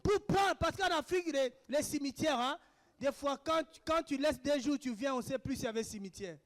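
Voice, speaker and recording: Very high-voiced, fiery preacher. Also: male voice, normal speed. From Africa. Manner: impassioned, swings between shouted declarations and hushed asides. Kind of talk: sermon answering questions.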